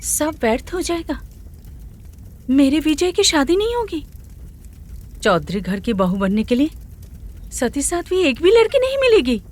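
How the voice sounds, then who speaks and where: A woman's voice: mid-range voice, animated, unhurried, long pauses, a bit bright, a little hiss or hum. A stern proud queen mother. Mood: despairing. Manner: commanding, formal. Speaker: queen mother seeking a bride for her son. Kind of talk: dubbed film drama.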